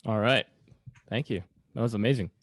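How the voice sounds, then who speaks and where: A man hosting a podcast in casual chat, with halting, rambling phrasing. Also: on the low side, no echo, studio quality. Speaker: podcast host.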